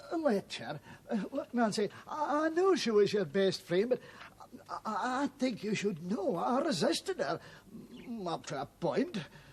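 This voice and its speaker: Whiny and at a moderate pace, this put-on character voice swings very widely in pitch. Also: man, high pitch for a man. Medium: stage play. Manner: stammering, whining.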